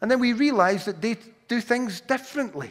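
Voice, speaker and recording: The speaker talks at a moderate pace with a Glaswegian accent. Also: man. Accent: Glaswegian Scottish. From Glasgow, Scotland. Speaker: pastor. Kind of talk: sermon. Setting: church.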